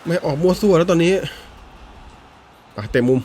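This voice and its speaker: At a normal speaking speed, with faint music behind him, a gaming YouTuber gives casual, excitable commentary on a football video game. His voice moves between low mutters and high yelps, and he swears at the game.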